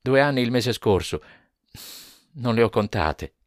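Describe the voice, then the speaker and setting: A man's voice: medium pitch, lively intonation, unhurried, no echo, clean studio sound, voice pushed up, lightly acted. A man voicing an anxious husband who pleads his case and raises his voice in protest. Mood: weary, earnest. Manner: earnest, raising his voice in protest.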